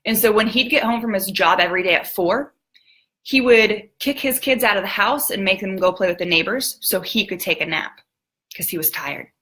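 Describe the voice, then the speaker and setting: A woman giving a motivational talk, telling a story in an animated way and speaking earnestly to the audience. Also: mid-range voice, low-quality recording. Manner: animated storyteller who acts out quotes; earnest, direct appeals to the audience.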